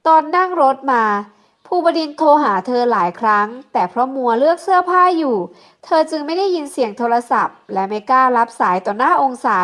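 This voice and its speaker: Woman narrator, high-pitched, steady scripted reading. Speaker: audiobook narrator.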